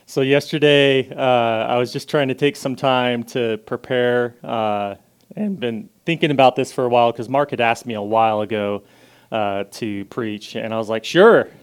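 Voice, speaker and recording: A man preaching a sermon in a casual way, reading scripture with rising emphasis and then praying softly. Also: medium pitch, fairly even intonation, moderate pace, clean tone. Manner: loud, casual and self-deprecating, reads scripture with rising emphasis, prays softly. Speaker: guest preacher.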